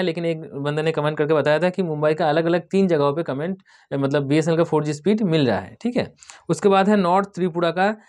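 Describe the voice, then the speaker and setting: A man's voice: on the high side, a little mellow. A man from India hosting a tech channel, casually going through viewer comments, spelling out place names letter by letter and often repeating "okay".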